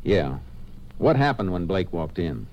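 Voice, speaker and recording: An actor playing a calm, terse Texas Ranger asking methodical questions in a 1950s western radio drama. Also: male voice, deep voice, measured pace, lo-fi sound, heavily acted. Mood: calm, probing. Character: steady, probing Texas Ranger investigator, adult man. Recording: noisy old-time radio recording.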